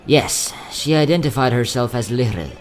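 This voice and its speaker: A man performs a young travelling merchant in a fantasy audio drama, courteous and a little sad. His polite sales patter swings widely in pitch. Some ambient noise sits behind the voice. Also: lively intonation, normal speed, natural voice. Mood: earnest. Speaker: voice actor.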